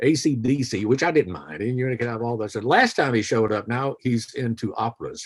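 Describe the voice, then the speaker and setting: An animated man with a Mississippi accent, hardly any pauses. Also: medium pitch for a man, ordinary pitch variation, fairly quick pace. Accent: Mississippi Southern US. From Mississippi, Greenville. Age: 70s. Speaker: TV weather anchor and feature reporter. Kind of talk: interview, casual storytelling.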